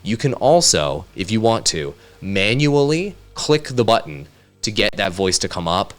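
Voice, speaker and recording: A man presenting a casual software tutorial in an upbeat, conversational way, speaking directly to viewers into a studio microphone. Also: fairly low pitch, big pitch swings, measured pace, faint music behind. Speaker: tutorial host, content creator. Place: home studio.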